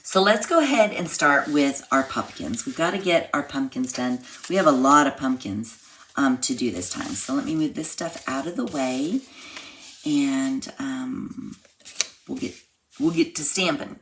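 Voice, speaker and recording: A woman with a slightly hoarse, froggy voice, chatting step by step through a live card-making class. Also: rumbling low, expressive, a little slow, a bit bright, slight background noise. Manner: chatty step-by-step explaining while crafting. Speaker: craft class instructor. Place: home craft room.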